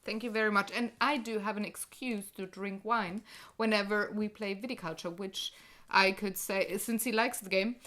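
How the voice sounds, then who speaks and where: A young woman chatting casually about a board game, loud and animated, recorded on a couch at home. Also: medium pitch, normal speed. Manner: chatty, animated, laughs often. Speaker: co-host. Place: living room couch, indoors.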